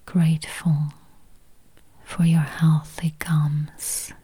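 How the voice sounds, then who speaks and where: A woman whispers through a guided meditation at a very slow, unhurried pace. Her low, breathy voice stays flat and even, and she lingers over each counted number and each repeated phrase. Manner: slow, soft, repetitive counting.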